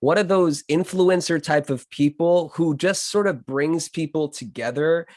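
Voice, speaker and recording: A man hosting a podcast in casual conversation, gushing and halting, with lots of filler words. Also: a little high, a little mellow, no room sound, studio quality. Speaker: podcast host. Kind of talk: casual interview chat.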